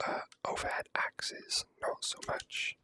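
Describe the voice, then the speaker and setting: Whispering ASMR gamer. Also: slow pace. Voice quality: soft unvoiced whisper. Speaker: gaming video creator. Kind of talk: ASMR whispered game commentary.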